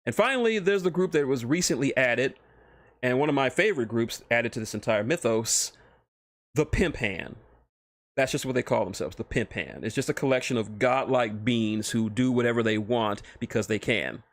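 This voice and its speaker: A man hosts a livestream, rambling casually about fan fiction with profane, enthusiastic fan talk into a close microphone. His medium-pitched voice is expressive at normal speed, with no echo.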